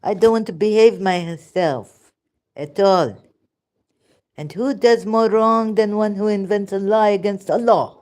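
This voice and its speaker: A woman's voice: medium pitch, measured pace, a little mellow. A woman with a Pakistani accent giving rambling, sarcastic religious commentary in broken English. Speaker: vlogger.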